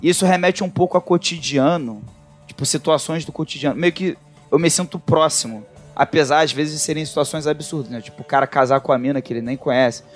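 A Brazilian man with a fairly high voice talks casually as a podcast co-host. He rambles thoughtfully in slangy, halting bursts, and faint music plays behind him. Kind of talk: casual, reflective podcast chat.

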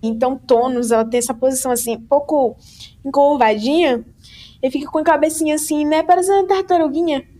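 A young woman from tells a personal story in an interview, animated and acting out the voices she quotes. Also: quick pace. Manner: animated, acts out quoted voices with big pitch jumps. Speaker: interview guest.

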